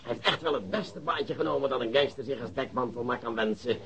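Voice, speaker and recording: A man's voice: medium pitch, brisk, creaky, fairly bright tone. A man acting a confident, insistent police detective in a Dutch radio drama, with a businesslike manner. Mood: brisk, determined. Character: brisk, confident male police detective questioning and plotting. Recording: dull, lo-fi radio drama recording.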